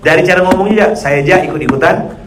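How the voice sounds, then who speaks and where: Man preaching, animated, throat-clearing, roomy hall, faint hum. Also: fast. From Indonesia. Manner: animated, jumps to loud high outbursts when acting out others. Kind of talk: casual sermon to a congregation.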